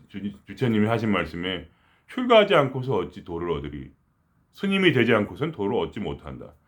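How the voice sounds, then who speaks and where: A middle-aged man giving a casual spiritual talk, rambling and conversational, with frequent restarts and quiet murmured asides. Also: medium pitch. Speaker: spiritual teacher.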